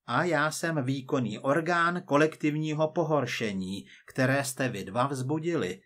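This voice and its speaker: A man's voice: medium pitch, fairly bright tone, lightly acted. A man doing a cool, menacing future agent. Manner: coolly menacing, measured. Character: cold persistent male agent from the future.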